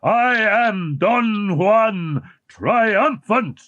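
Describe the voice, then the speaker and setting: A man voicing a deformed, jealous masked man who hisses and roars in slow, tormented speech. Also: sits high, expressive, fairly bright tone, dry recording, lo-fi sound, voice pushed up, full character voice. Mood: raging, anguished. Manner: slow, hissing, roaring.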